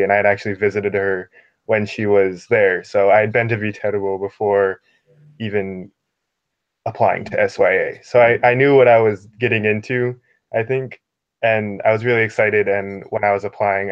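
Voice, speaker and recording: Teen boy, from Hawaii, soft-spoken, lowish voice, muffled call audio. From Hilo, Hawaii. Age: teens. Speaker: high school student and alumnus. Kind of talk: casual remote video call.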